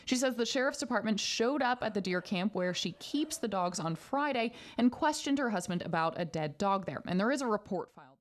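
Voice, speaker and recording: A woman's voice: medium pitch, expressive, a little fast, hardly any pauses. A woman news reporter delivering a scripted report.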